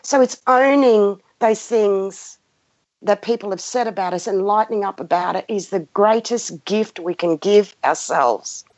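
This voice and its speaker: A woman's voice: mid-range voice, unhurried, a little mellow. A woman in her fifties giving an unscripted, passionate spiritual talk, speaking emphatically and repeating phrases as she guides listeners. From Greek background. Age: 50s. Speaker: spiritual guide hosting a live session. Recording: muffled, roomy lo-fi sound.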